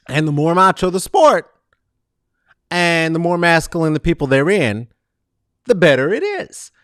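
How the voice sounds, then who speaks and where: A man hosting his own web show, giving a theatrical comedic monologue into a close studio mic, swinging from soft asides to loud sing-song bursts. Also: fairly high pitch, dry recording. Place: home studio with posters and guitar. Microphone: large studio mic on stand, close.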